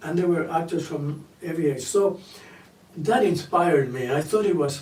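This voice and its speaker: At a moderate pace, a man with a Spanish accent talks at a high pitch with ordinary pitch variation, amid noticeable background noise and audible room echo. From Argentina. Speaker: actor and singer. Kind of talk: interview.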